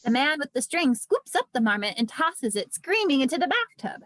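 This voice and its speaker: Woman narrator, higher-pitched and dry-recorded. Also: big pitch swings, a little fast, a bit bright, no room sound. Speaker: narrator reading stage directions. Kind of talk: scripted narration at amateur table read.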